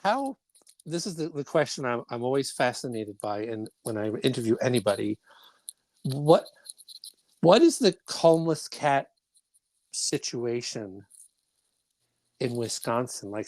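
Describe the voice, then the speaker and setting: A podcast host asking questions in a chatty, animated way, often restarting sentences. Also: mid-range voice, no room sound. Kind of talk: casual interview.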